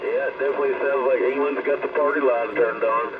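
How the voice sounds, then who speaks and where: A man's voice: mid-range voice, steady tone, fast. A man with an American accent talking casually as a CB radio operator over a transmission. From Texas, United States. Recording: very noisy, tinny CB radio transmission.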